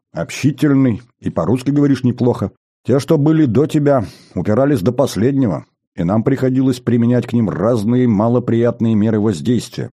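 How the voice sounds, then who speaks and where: A man's voice: medium pitch, dark tone, dry recording, studio quality, lightly acted. A man voicing a stern, threatening male partisan commander who interrogates a prisoner. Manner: gruff, interrogating.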